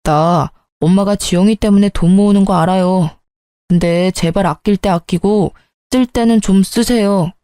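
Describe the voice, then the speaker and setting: A woman's voice: medium pitch, moderate pace, dry recording, clean studio sound, lightly acted. A woman voicing a frustrated grown son in a dramatized story reading. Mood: exasperated. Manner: pleading then shouting at family. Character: grown son, young man, tense and frustrated.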